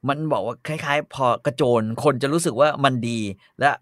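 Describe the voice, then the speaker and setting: A man hosting a podcast, reading a story aloud and chatting about it, animated with casual swearing. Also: a little high, brisk, dry recording, studio quality. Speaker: podcast host.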